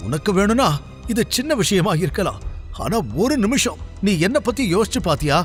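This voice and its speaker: A man's voice: high-pitched, very animated, normal speed, soft background music. A man doing a furious young wife. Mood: furious, tearful. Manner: accusing, shouting, voice cracking with tears. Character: furious young wife confronting her husband.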